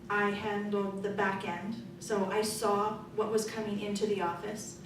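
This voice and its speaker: A middle-aged woman speaking as a political candidate at a forum, loud and forthright in a conversational way. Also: mid-range voice. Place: meeting room. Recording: echoey room from far off, noisy.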